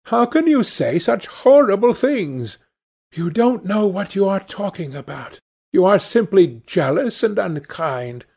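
A man doing a smitten young woman, bright and teasing. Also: sits high, very animated, measured pace, creaky, slightly rough, pitched above the performer's own voice, full character voice. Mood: scolding.

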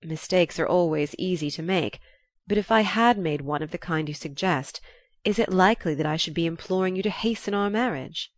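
A woman voicing a young gentleman who pleads urgently and persuasively. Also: fairly low pitch, fairly quick, no room sound, close to an everyday voice. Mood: defensive. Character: young gentleman, eager and pleading, sometimes exasperated.

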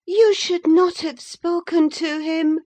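A woman voicing a bossy, high-pitched girl. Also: steady tone, slow, mellow. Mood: distressed. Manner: scolding, then contemptuous. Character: bossy, upset teenage girl.

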